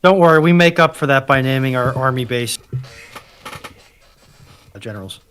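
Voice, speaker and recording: A man chatting casually as a panellist, with a measured, dry manner. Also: medium pitch, fairly bright tone, clean tone, faint music behind. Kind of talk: casual chat.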